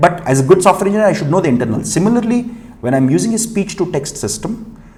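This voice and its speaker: This man talks very fast in an Indian accent, his pitch swinging very widely. The room echo is audible. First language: Telugu. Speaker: online course instructor. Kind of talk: live-streamed lecture. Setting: live stream. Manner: repetitive, conversational.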